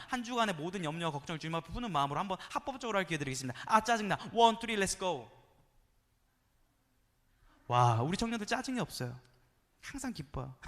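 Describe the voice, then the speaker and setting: A man preaching a playful, animated sermon to a youth congregation, sometimes acting out voices and calling on the listeners to respond. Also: high voice, long reverb tail. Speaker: youth pastor. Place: church sanctuary.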